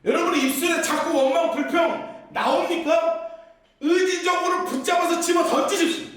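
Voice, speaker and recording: High-voiced preacher in an echoey church. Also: male voice, fairly even intonation, moderate pace. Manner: impassioned preaching, often rising to shouts. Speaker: pastor. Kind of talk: sermon. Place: church sanctuary. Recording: echoey church hall, voice from a distance.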